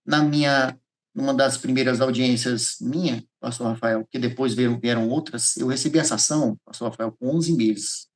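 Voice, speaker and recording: A man's voice: mid-range voice, normal speed. A man with a Brazilian accent from Goiás, giving a personal testimony as a podcast guest, acting out dialogue and repeating phrases as he tells it. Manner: animated storyteller, repeats phrases, acts out dialogue.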